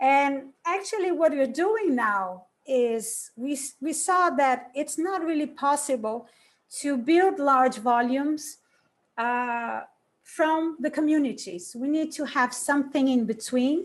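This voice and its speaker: Very slow speech with lively intonation in a Brazilian Portuguese accent. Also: woman, high pitch for a woman. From Brazil, São Paulo. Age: 50s. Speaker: entrepreneur. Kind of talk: webinar presentation. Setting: conference call. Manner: halting.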